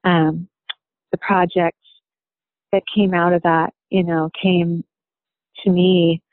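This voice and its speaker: A woman speaks in a level, even tone that barely rises or falls. She talks reflectively and haltingly, filling her pauses with "you know." The sound is thin and phone-like, with no room echo at all. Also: lowish voice. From United States. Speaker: interviewee. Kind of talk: personal storytelling. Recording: dry, tinny phone-like sound.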